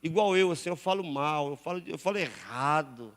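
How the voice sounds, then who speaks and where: A Brazilian pastor preaching a sermon in a church, calling on the congregation to repeat phrases and respond aloud. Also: male voice, on the high side, lively intonation, moderate pace, fairly bright tone. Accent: Brazilian Portuguese. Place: church sanctuary.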